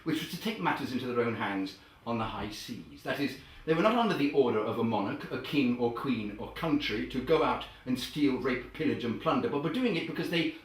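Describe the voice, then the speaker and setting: A man's voice: mid-range voice, lively intonation, fairly quick, close to an everyday voice. A man playing a pompous acting coach. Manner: theatrical, grandly enunciated, sudden loud outbursts. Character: pompous, self-important male acting coach. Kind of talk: comedy character sketch. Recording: very echoey, far from the mic.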